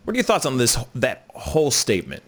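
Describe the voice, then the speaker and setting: A man's voice: mid-range voice, wildly swooping pitch, fast, a bit bright. A man hosting a casual talk, laid-back, often saying "you know what I'm saying". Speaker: host. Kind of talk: casual conversation.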